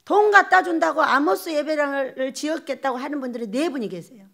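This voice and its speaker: A woman's voice: high-pitched, brisk, gravelly. A woman pastor preaching a sermon, telling stories with laughter and acting out quotes. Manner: animated storytelling with laughter and acted-out quotes. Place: church sanctuary.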